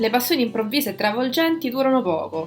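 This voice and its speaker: Music plays in the background. A woman speaks with lively intonation. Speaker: presenter reading Sicilian proverbs. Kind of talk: proverb reading with explanations.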